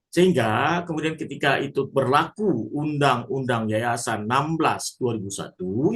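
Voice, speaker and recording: Male lecturer, mid-pitched, explains at length to a seated audience with frequent checking fillers. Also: a bit bright. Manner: addresses audience formally. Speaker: legal lecturer. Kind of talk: spoken lecture.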